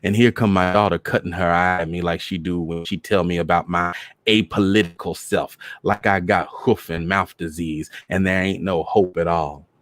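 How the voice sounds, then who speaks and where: A man reading a first-person short story aloud in an expressive, colloquial vernacular style. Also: low voice, no room sound, clean studio sound. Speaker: host, story reader.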